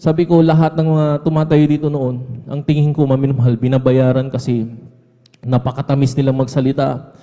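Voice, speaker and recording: A man's voice: mid-range voice, level tone, brisk, dark tone. A man giving an earnest church testimony, constantly repeating a fond address to the congregation, from a church pulpit. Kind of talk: testimony at a prayer service. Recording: echoey hall with long reverb.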